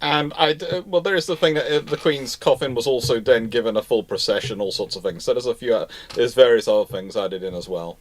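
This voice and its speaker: A man's voice: mid-range voice, brisk, hardly any pauses. Man explaining in casual panel talk. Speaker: live stream host answering naval history questions.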